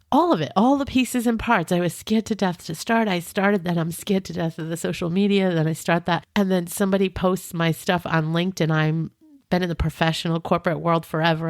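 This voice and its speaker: A woman hosts a podcast conversation in a fairly low voice, recorded dry and close with no room sound. She chats easily and keeps affirming her guest. Her tone is relaxed and personal. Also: no room sound. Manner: warmly affirming, chatty. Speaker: podcast host. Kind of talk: conversational interview.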